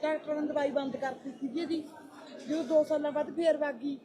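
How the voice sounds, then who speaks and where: A woman with a high voice speaks as a worried mother. She explains her case earnestly and pleadingly. A loud crowd is chattering close behind her. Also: steady tone, a little fast. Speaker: mother of a patient.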